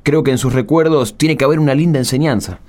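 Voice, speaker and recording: A man's voice: medium pitch, quick pace, a little mellow, close to an everyday voice. A man playing an encouraging young catechist in a radio drama, explaining things with an Argentine accent. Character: encouraging young catechist eager to teach children.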